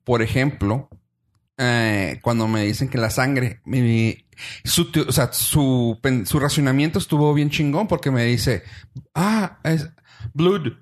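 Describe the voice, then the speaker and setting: A Mexican man with a mid-pitched voice, chatting loosely as a co-host. He talks in slang and with lively energy, and often breaks into squeaky, high-pitched imitations of other people. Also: measured pace. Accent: Mexican Spanish. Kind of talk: casual chat.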